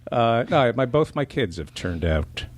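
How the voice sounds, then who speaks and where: A middle-aged man from New Jersey, a comedian guest on a casual podcast, trading sardonic, self-mocking jokes in a dry deadpan. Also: mid-range voice, unhurried, background noise.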